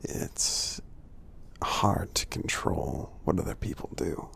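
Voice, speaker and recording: A man voicing a kindly, encouraging giant for ASMR affirmations, in a soothing, breathy, gravelly whisper. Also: very deep voice, slight background noise, full character voice. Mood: gentle, advising. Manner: slow, soothing, gently earnest. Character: kindly giant friend, gentle, reassuring, encouraging.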